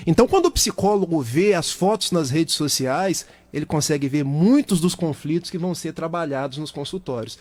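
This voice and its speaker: Brazilian guy on radio talk, kinda high voice, lots of examples, explains stuff patiently. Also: brisk, few pauses, darkish tone. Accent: Brazilian Portuguese. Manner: explanatory, speaks at length with examples. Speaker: guest speaker.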